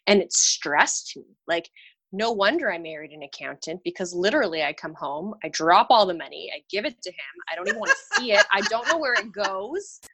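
A woman's voice: deep voice, slightly rough, rough recording. A woman from Romania, a guest on a podcast, talking candidly and with animation about her work and life. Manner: candid and animated, laughs at herself. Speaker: podcast guest, dental hygienist. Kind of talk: casual podcast interview chat.

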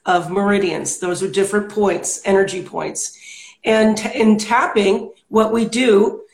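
A woman who is a podcast guest and hypnotist, explaining a technique step by step in an earnest, methodical way. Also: mid-range voice. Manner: earnest, walks through steps methodically. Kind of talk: explanatory interview talk. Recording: roomy echo.

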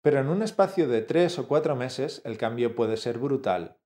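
A man co-hosting a language lesson, measured and explanatory, speaking straight to the learner. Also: medium pitch, animated, dark tone. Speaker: language teacher, co-host.

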